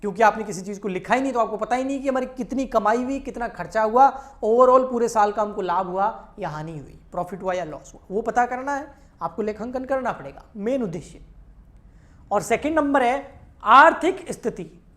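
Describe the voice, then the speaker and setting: A woman's voice: fairly high pitch, lively intonation, moderate pace, fairly bright tone. A woman teaching an exam-prep accountancy lecture. She explains patiently, keeps checking that students follow, and addresses them in a familiar way.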